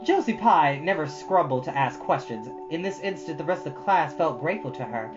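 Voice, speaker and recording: A woman's voice: deep voice, lively intonation, a little fast, dull audio, music in the background. A woman reading a children's book aloud as storyteller, with dramatic emphasis and informal, chatty asides.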